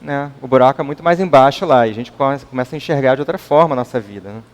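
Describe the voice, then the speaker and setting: This fast-talking man has a mid-range voice and a Brazilian accent. He gives a conversational public talk in a spiritist center's meeting hall, regularly tacking a questioning "right?" onto his sentences, with a long reverb from the hall.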